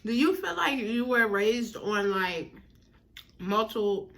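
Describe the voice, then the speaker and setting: A woman's voice: fairly high pitch, expressive, fairly bright tone. American woman chatting casually while chewing food. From northern United States. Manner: chewing while talking, with pauses to eat. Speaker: mukbang host. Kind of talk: casual chat to viewers while eating.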